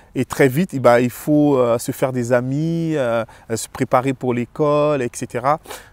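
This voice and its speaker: A man's medium pitch, with ordinary pitch variation, accompanies his fairly slow delivery. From Ivory Coast, then Paris suburbs. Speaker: testimony giver. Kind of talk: testimony. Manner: hesitant, many fillers.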